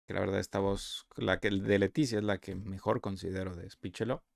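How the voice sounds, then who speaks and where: A man talking conversationally and explaining step by step over a screen recording of a software walkthrough. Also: deep voice, steady tone, a little fast, creaky, no echo, studio quality. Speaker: software reviewer.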